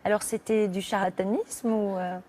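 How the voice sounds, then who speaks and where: A woman in a TV studio asking a question, halting and searching for words. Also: medium pitch, fairly even intonation, warm tone, slight background noise. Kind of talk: casual question on TV. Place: TV studio set.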